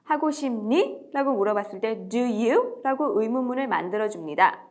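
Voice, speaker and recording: A woman teaching everyday English phrases to parents, modelling each phrase slowly and clearly. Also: on the high side, lively intonation, darkish tone. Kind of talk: slow, deliberate language lesson.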